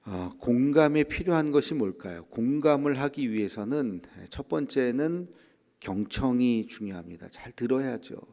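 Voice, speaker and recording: Middle-aged male pastor, dark gravelly voice, chatty dawn sermon in a church with long reverb. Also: mid-range voice. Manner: conversational preaching with frequent "예" and "에" fillers; acts out quoted voices of children and church members. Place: church sanctuary.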